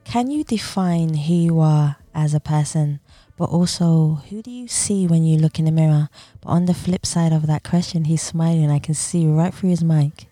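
A woman's voice: low voice, normal speed, dark tone, no room sound, soft background music. A woman hosting a podcast interview, enthusiastic and full of praise for her guest. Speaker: podcast host.

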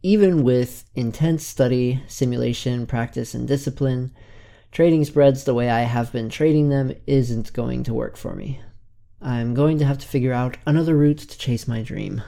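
Speaking at a moderate pace, this twenty-something host has a gravelly, dark-toned, mid-range voice. He's slightly congested as he plainly and earnestly walks through his week on his weekly self-improvement podcast, a casual update he records himself.

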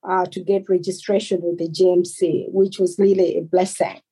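A Malawian woman in her forties, a doctor answering interview questions in a measured, earnest way. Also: on the low side, flat delivery, mellow, slightly rough, low-quality recording. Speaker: guest, consultant doctor.

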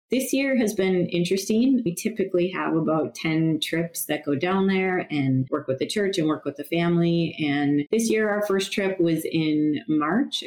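A woman's voice: low voice, a little mellow, low-quality recording. A woman from northern Minnesota answering questions casually as a podcast guest. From northern Minnesota, United States. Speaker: podcast guest, nonprofit founder.

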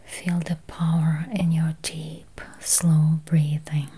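Whispering, breathy woman guiding meditation slowly. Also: low-pitched, level tone, mellow. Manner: slow, soothing, with long pauses. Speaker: guided meditation host. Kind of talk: whispered guided meditation with affirmations.

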